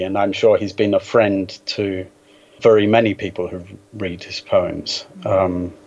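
A man speaking as an interview guest in a measured, hesitant, scholarly way, reflecting carefully on literature over an internet call. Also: fairly low pitch. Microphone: Skype call. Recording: dull, noisy internet call.

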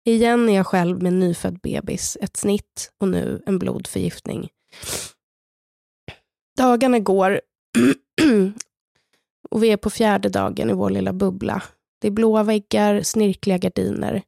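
A Swedish woman in her thirties tells a personal story slowly and intimately, in a measured way. Her voice is mellow and dark, with a gravelly fry. She is recorded close and dry, with no room sound. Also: medium pitch, steady tone, no echo. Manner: slow, measured, intimate telling in the present tense. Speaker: podcast co-host. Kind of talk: personal storytelling, partly read from a script.

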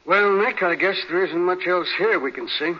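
High, raspy, sharp American cop. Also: male voice, normal speed. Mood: puzzled. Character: gruff, folksy, grumbling male police detective. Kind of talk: 1940s radio crime drama acting. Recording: dull vintage 1940s radio recording.

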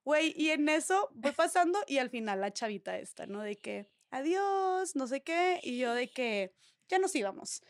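High-voiced Mexican woman telling a story. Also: animated, moderate pace, hardly any pauses, dry recording. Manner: slangy, vivid storyteller who acts out quoted lines. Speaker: podcast co-host. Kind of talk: casual storytelling chat.

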